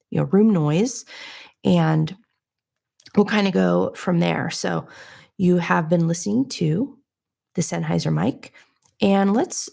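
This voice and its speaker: A soft-spoken woman in her home studio, explaining her audio setup in a conversational, explanatory way. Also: on the low side, gravelly. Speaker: audio gear reviewer. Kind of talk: livestream gear demo. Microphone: changing between studio mics.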